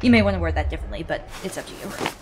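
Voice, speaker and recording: A woman playing a brisk, sardonic director in charge, in a sci-fi audio drama. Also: on the low side, over music, lightly acted. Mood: sardonic, irritated. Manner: sardonic, no-nonsense.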